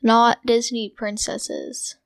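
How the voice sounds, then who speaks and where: A woman's voice: on the high side, flat delivery, takes it slowly, creaky, no echo. A young woman chatting casually as a quiz contestant. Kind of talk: casual chat.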